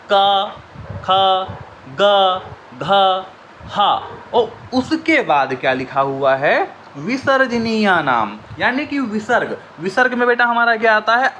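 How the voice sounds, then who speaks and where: High-voiced male teacher drilling. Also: a bit bright, a little hiss or hum. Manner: repeats questions and answers to drill students; chants formulas slowly. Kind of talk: exam-prep lesson.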